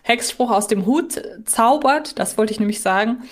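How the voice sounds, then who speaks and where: A woman's voice: fairly high pitch, moderate pace. A woman co-hosting a podcast in a casual, analytical way, correcting herself as she thinks aloud. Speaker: podcast co-host.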